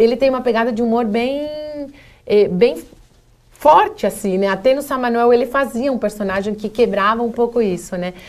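At a moderate pace, a woman talks with a fairly high voice and ordinary pitch variation. She leaves long, frequent pauses. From South America, emigrated to Brazil as a child. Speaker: theatre company artist. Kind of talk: TV interview. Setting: TV studio. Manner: halting. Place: studio. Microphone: lapel.

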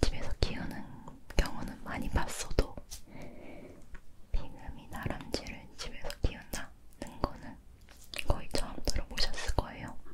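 A woman whispering at a fairly slow pace, with long, frequent pauses. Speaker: ASMR creator. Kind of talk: ASMR whispered talking while drinking beer. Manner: whispered, soft, intimate. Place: home room. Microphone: studio mic.

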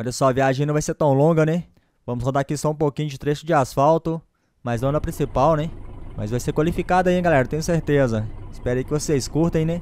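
Talking at a very fast pace, a man keeps his intonation fairly even, and the sound is dry with no echo. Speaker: gaming youtuber. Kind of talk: gameplay commentary.

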